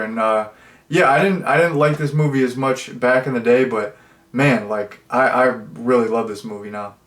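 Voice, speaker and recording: Casual male film reviewer, meandering and jokey, mid-pitched, in a roomy echoey space. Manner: rambling, full of fillers and jokey asides. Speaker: movie reviewer. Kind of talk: casual chat. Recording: roomy echo.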